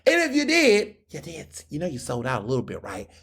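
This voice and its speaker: A man's voice: on the high side, huge pitch swings, fairly quick, fairly bright tone, slightly rough. A young man from Houston hosting his podcast, ranting in a fiery, sarcastic monologue full of rhetorical questions. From Houston, Texas. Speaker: podcast host. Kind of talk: opinion monologue.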